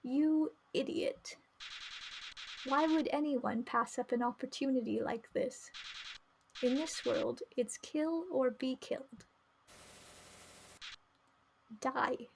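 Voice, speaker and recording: A woman's voice: high voice, takes it slowly, gravelly, slight background noise, full character voice, poor audio. A woman voicing a talking flower from a visual novel, folksy and sugary with a cruel streak underneath. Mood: cruel, contemptuous. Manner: chirpy, coaxing, folksy. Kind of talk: visual novel character read-aloud.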